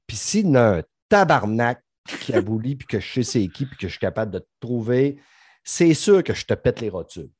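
A man's voice: mid-range voice, sing-song, a little fast, darkish tone, husky, no room sound, studio quality. A middle-aged man with a Saguenay Quebec French accent, hosting a casual podcast chat, joking bluntly and swearing freely. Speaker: podcast host.

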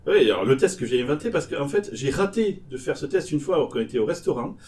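A man's voice: a little high, quick pace, distant mic. Joking man with a northern French accent. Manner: animated joking storyteller. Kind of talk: casual chat.

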